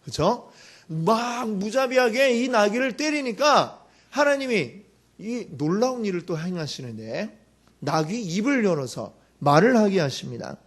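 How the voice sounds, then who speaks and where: A male pastor delivers a storytelling sermon, animated and dramatic, asking rhetorical questions of the congregation. His voice sits high and moves through a wide, lively range. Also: measured pace.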